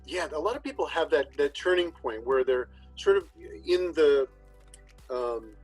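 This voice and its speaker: Husky guy hosting a laid-back chat, keeps restarting his sentences, faint music behind. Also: fairly high pitch, unhurried, rough recording. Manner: relaxed, rambling with frequent restarts. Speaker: podcast host. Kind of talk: casual spiritual chat.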